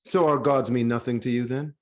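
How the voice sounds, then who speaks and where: A man's voice: medium pitch, fairly even intonation, fairly quick, close to an everyday voice. An actor playing a proud, commanding king in a Greek tragedy reading, speaking with stern, declamatory authority. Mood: stern challenge. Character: proud, commanding king defending suppliants of his city. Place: online video-call reading.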